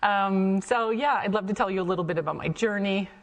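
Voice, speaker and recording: A woman's voice: medium pitch, a little fast. A middle-aged woman with an American accent gives a chatty, informal talk about her own life to an audience. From Ohio, United States. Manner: chatty, conversational. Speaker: guest speaker, chef and cafe founder. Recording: echoey hall, long reverb.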